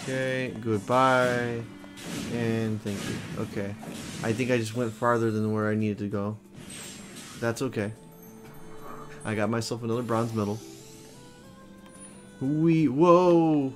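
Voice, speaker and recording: A man streaming a video game live, chatting and reacting out loud as he plays. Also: fairly low pitch, flat delivery, a little slow, pauses often. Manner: chatty, reacting aloud with frequent laughs. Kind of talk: live gameplay commentary. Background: game music.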